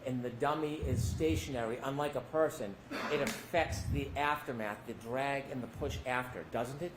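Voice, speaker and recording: A man's voice: mid-range voice, normal speed, background noise. Man cross-examining in a courtroom recording. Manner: pointed leading questions with tag endings. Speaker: defense attorney.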